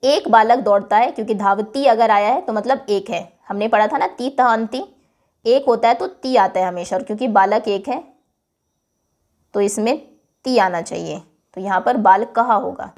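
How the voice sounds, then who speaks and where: A woman teacher with a medium-pitched, darkish voice speaks at a moderate pace during a classroom lesson. She patiently repeats each word and then explains what it means, mixing English words into her speech.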